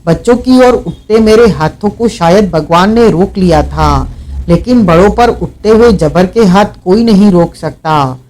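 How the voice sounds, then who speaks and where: A man voicing a vengeful, hot-tempered male outlaw in an audiobook, shouting and snarling his threats. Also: sits high. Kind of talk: audiobook character reading.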